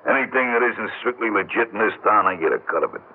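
An actor playing a blunt, menacing big-city gangster boss with slangy tough-guy talk and a husky voice, in a 1940s-style radio drama. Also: fairly low pitch, animated, quick pace, slight background noise, close to an everyday voice. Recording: tinny old radio recording.

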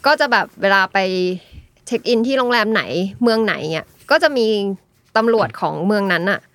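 A woman's voice: fairly high pitch, animated, moderate pace, fairly bright tone, no room sound. A woman from Thailand, chatting casually as a podcast guest and telling things piece by piece in colloquial speech. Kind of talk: casual chat, storytelling.

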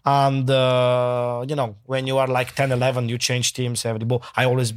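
A man's voice: mid-range voice, monotone, normal speed. A man talking hesitantly in a casual chat, with many fillers and non-native phrasing.

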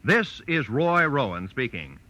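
A man's voice: medium pitch, sing-song, a little slow, bright, forceful tone. An American man announcing on 1940s network radio in a polished, promotional style. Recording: vintage 1940s radio broadcast.

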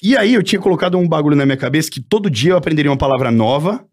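A man's voice: fairly high pitch, lively intonation, rapid-fire, a little mellow. A man telling comic stories in casual chat, slangy and laughing often. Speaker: podcast guest telling stories.

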